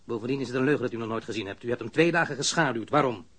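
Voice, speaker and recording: An actor playing a composed, authoritative police investigator in a radio drama, speaking formally and insistently. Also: male voice, mid-range voice, rapid-fire, a bit bright, husky. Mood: angry, pressing. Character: stern, composed male police investigator, probing and dryly authoritative. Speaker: police interrogator. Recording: noisy archived radio drama recording.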